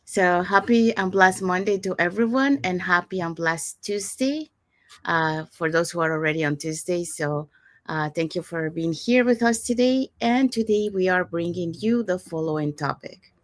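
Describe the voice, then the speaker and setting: A woman's voice: fairly low pitch, moderate pace, no echo. Upbeat woman host from Panama, dry sound. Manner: upbeat, promotional, with frequent fillers. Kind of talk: scripted webinar promo chat.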